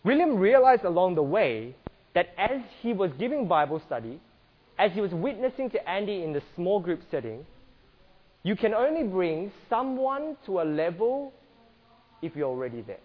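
A man's voice: sits high, big pitch swings, normal speed, lo-fi sound. Earnest man giving a church talk. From Singapore. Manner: earnest, many restarts and fillers. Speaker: church speaker. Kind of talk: church presentation with slides.

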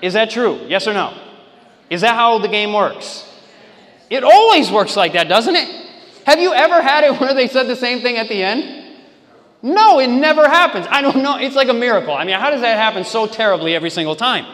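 A man with a notably high voice preaches a sermon, animated and repeatedly turning questions back to the people in front of him. His words ring out with a long reverberant tail in a large hall. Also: brisk. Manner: animated, questions the audience directly. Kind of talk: sermon to a live audience.

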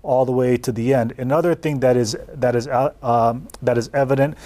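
A man explaining a Bible passage in a sermon-like way, building points into emphatic rapid-fire lists. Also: medium pitch, steady tone, dark tone. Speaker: preacher on a panel.

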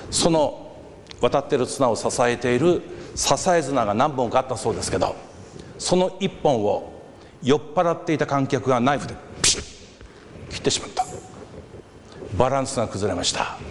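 A male pastor delivers a sermon as a story, his voice rising and falling with lively, expressive swings. He acts out the shouts of a crowd along the way. The sound carries a long hall reverb, with a faint hum of noise underneath. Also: mid-range voice.

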